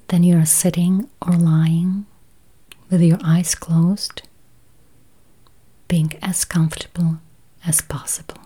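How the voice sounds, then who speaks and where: Whispering, breathy woman guiding meditation slowly. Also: fairly low pitch, mellow. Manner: slow, soothing, with long pauses. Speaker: guided meditation host. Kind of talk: whispered guided meditation with affirmations.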